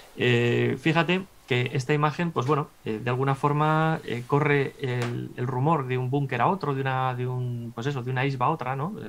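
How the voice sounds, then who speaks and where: A man with an unremarkable speaking voice talks at a moderate pace and medium pitch, with fairly even intonation and hardly any pauses. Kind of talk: informal interview explanation. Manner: fluent, explanatory.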